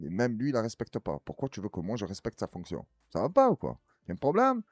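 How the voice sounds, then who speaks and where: An animated man's voice, dry and close with no echo, on a very clean recording against a silent background. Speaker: online commentary show host. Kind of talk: casual reaction commentary.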